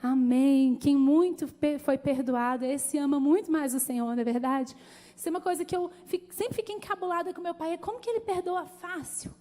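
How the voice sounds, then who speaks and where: A woman pastor preaches in a high, mellow voice, chatting with the congregation and calling out to them. Her voice carries a long church-hall reverb. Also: brisk. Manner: conversational, animated preaching with calls to the congregation. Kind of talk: sermon.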